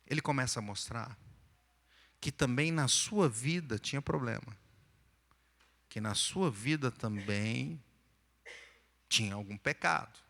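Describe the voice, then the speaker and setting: A pastor with a Brazilian Portuguese accent preaches in a church sanctuary, his voice echoing through the hall. Speaking slowly at a medium pitch, fairly bright with vocal fry and frequent pauses, he sings and chants psalm verses and then explains the scripture plainly and conversationally.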